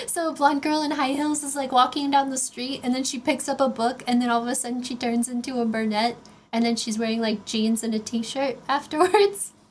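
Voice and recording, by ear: A woman with a Utah accent speaks at a high pitch and a fairly quick pace with hardly any pauses, over noticeable background noise. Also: ordinary pitch variation.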